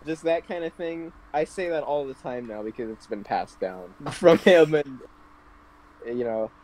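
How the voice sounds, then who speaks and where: A man's voice: fairly high pitch, lively intonation, unhurried, a little mellow, low-quality recording. Rambling man telling stories casually. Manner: rambling storytelling, filler-heavy, swears. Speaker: podcast co-host. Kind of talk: casual chat.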